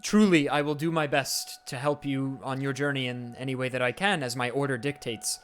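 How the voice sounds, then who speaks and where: A man's voice: mid-range voice, steady tone, fairly quick, a bit bright, slight background noise, lightly acted. A man voicing a tired, kindly male priest who leads a town, speaking formally and courteously in a tabletop game. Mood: welcoming.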